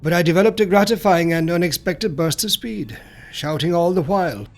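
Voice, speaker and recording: A man's voice: high voice, expressive, fairly quick. A man reading a classic horror tale as a scripted, dramatic audiobook narration.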